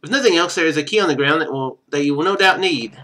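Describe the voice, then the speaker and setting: A man's voice: a little high, fast talker, pushed and bright. A man streaming a game, reading its text aloud and thinking through it in casual commentary. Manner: thinks aloud while playing.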